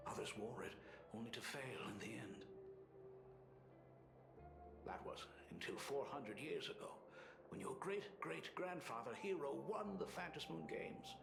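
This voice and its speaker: An actor playing a solemn, tender middle-aged father, an artist and academy dean in a video game, with a gravelly, breathy, measured and softly spoken voice. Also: medium pitch. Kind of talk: dramatic game voice acting. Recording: slightly reverberant, music underneath. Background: background music.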